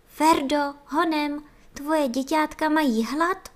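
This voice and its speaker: A woman's voice: fairly high pitch, lively intonation, pitched above the performer's own voice, close to an everyday voice. A woman voicing fussy, caring female nurse ants in a storybook, in a worried, calling manner. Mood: anxious.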